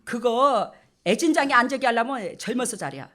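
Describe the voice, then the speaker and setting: A woman's voice: on the high side, normal speed. A middle-aged woman pastor, preaching a folksy sermon and acting out scenes. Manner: folksy, animated, acts out couples' quarrels with laughter.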